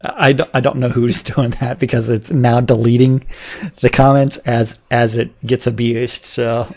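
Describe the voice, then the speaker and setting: A man's voice: medium pitch, little pitch movement, moderate pace, a little mellow. A man co-hosting a casual live show, rambling through a community calendar and sponsor reads with stammered restarts and frequent laughter. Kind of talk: casual livestream chat.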